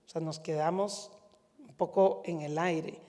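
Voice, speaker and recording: A woman's voice: low-pitched, fairly even intonation, unhurried, dark tone. Middle-aged woman, Guatemalan Spanish accent, physician lecturing, conversational storytelling, rhetorical questions, reverberant hall. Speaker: physician lecturing medical students. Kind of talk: conference talk.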